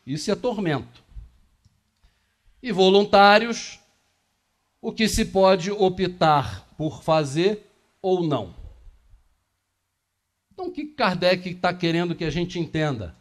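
A man's voice: high voice, lively intonation, slow pace, pauses often. A man in his fifties giving a spiritist lecture to a small audience, talking in a conversational way and putting questions to the listeners, recorded by a camera across a small meeting room. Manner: conversational, asks the audience questions, gestures widely.

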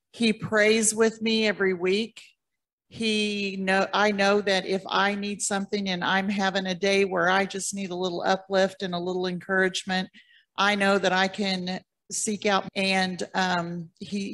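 A woman's voice: medium pitch, a bit bright. A woman, a care home administrator, sincerely describing a resident. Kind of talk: panel answer.

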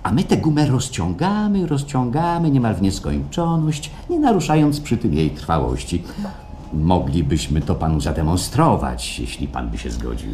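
A man's voice: sits low, big pitch swings, normal speed, warm tone. An actor playing an unctuous, grandiloquent salesman in a radio play performed live, persuasive and theatrical. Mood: grandiose. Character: grandiose, unctuous male salesman of engineered happiness. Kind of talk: radio play acting before a live audience. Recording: live stage recording with background noise.

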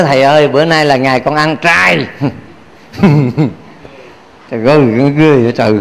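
High-voiced monk preaching. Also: male voice, creaky, in a large hall. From Vietnam. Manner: playful, asks the audience questions, laughs often. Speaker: Buddhist monk teacher. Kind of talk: dharma talk sermon.

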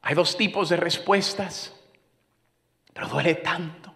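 A man preaches a sermon, his voice sitting a bit high as he moves between fervent, loud passages and quiet near-whispers. The sound carries a long reverb from a church hall. He talks from the stage with a mic. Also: unhurried, vocal fry. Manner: swings from loud passionate preaching to soft whispers. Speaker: pastor.

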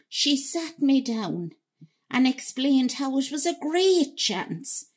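A woman's voice: high voice, husky, exaggerated voice. An actress playing a wistful Irish emigrant woman, telling her memories in a reflective radio drama monologue with an Irish accent. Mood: tender, sad. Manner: reflective, unhurried storytelling. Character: wistful Irish emigrant woman recalling leaving home at seventeen.

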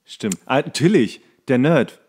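A man's voice: medium pitch, big pitch swings, unhurried, darkish tone, breathy edge. A young man with a mid-range voice co-hosts a podcast. He talks informally and spontaneously, giving off-the-cuff commentary on what he is watching. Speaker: podcast co-host. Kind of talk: casual chat and commentary while watching a show.

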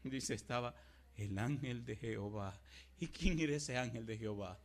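A middle-aged man delivering a sermon as a pastor, at a moderate pitch for a man. He goes from loud, fervent exclamations to soft, hushed storytelling and acts out the voices of the people in his stories. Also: normal speed.

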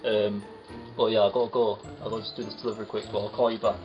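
A young man voicing a cheating male delivery driver in a put-on Yorkshire accent, mumbling low and hurried. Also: level tone, highs cut off, over music, lightly acted. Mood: sneaky.

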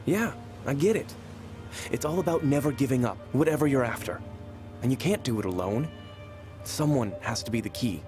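A man's voice: mid-range voice, lively intonation, normal speed, music in the background, lightly acted. A male actor playing a resolute, world-weary fugitive ex-soldier in a motion-comic thriller, grave and determined in manner. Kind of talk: dramatic motion-comic voice acting.

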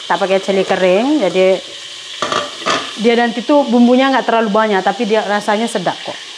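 A woman's voice: medium pitch, noisy background. Chatty middle-aged woman cooking. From Indonesia. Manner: chatty, addresses viewers as pemirsa. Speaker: cooking vlogger. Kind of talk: casual chat while cooking. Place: home kitchen.

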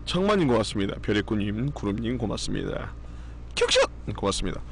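A man's voice: on the low side, big pitch swings, a little fast, gravelly, background noise. A man on a live stream with a strained, recovering voice, chatting in a rambling way with viewers, blunt and swearing now and then. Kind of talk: casual live-stream chat.

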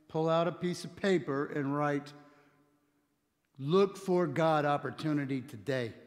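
A middle-aged man preaching a sermon in a conversational, earnest way, often restarting his words, on a church stage. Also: a little high. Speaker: pastor. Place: church stage with communion table. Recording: long hall reverb.

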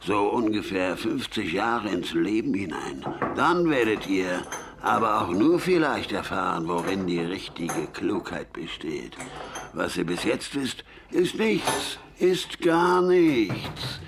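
A gruff, gravelly old gunsmith. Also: male voice, sits low, animated, takes it slowly, noisy background, exaggerated voice. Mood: mocking. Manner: scolding, mocking, laughs at the younger man. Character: gruff older male gunsmith, blunt and teasing. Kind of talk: German radio play acting.

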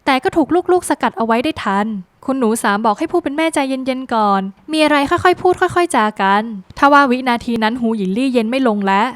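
A woman narrating a scripted drama plot recap in a brisk, lively storytelling manner with dramatic phrasing. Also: high voice, no echo.

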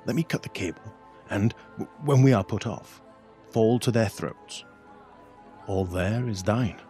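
An actor playing a scheming, bitter pirate captain in a Shakespearean audio drama, speaking with deliberate insistence. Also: male voice, on the low side, mellow, faint music behind. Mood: insistent, tempting. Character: scheming, bitter pirate captain urging treachery on his lord.

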